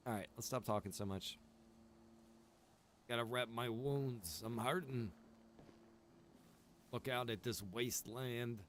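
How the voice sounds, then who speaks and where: Laid back guy streaming a survival game, slow talker, jokey casual chat, mid pitch. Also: slight background noise. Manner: laid-back, joking, laughs often. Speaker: live streamer playing a survival roleplay game. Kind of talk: casual gaming livestream chat.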